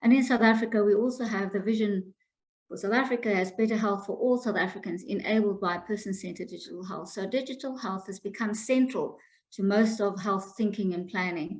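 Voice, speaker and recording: A woman talks at a fairly quick pace in a medium pitch. Her voice is somewhat breathy, with fairly even intonation. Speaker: professor. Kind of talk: lecture. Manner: fast.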